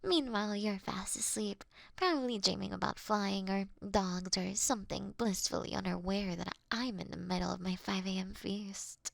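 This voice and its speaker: Female vampire played by a woman, courteous and doting, gently theatrical, breathy half-whisper, creaky edges, slow delivery, audio roleplay. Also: medium pitch, dry recording. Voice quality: breathy, often slipping into whisper. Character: female vampire, courteous, doting, wryly confessing to her sleeping prey. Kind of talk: scripted roleplay audio for one listener.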